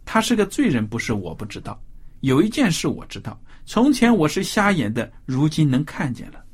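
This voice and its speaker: A man with a husky voice reads the words of a bold, defiant healed blind man from a scripture passage. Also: on the high side, big pitch swings, moderate pace, heavily acted. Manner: read aloud with rising emphasis.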